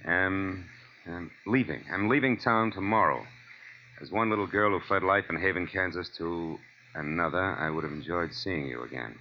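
An actor playing a hard-boiled, wisecracking American private detective in a 1940s radio drama, wry and clipped. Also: male voice, deep voice, normal speed, a little hiss or hum. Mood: reading flatly. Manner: wry, clipped, tough-guy delivery. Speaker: lead actor and narrator. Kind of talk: 1940s radio detective acting, first-person narration. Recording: dull old radio recording with music.

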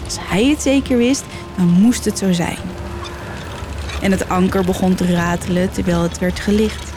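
Woman narrating a legend with measured drama. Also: medium pitch, music in the background. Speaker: storyteller. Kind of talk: scripted narration.

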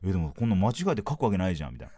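Kansai-accented male comic, 30s, low voice, lively swings, solo podcast storyteller. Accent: Kansai Japanese. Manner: animated, acts out dialogue in quick bursts. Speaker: podcast host, comedian.

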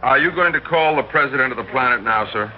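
An eager reporter, played by a man, presses the scientists with questions in a mid-pitched voice. The old radio-play recording is dull, with a faint hiss behind it. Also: fast talker, close to an everyday voice. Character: eager male news reporter. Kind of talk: vintage radio drama.

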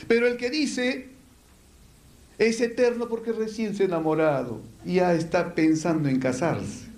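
A man teaches public speaking to a room full of people. His voice sits fairly high, and he asks himself questions before answering them in crisp lists. The hall gives his voice a noticeable echo. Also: normal speed, a little mellow, a little hiss or hum. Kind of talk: lecture to a live audience. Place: lecture hall with an audience. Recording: echoey room.

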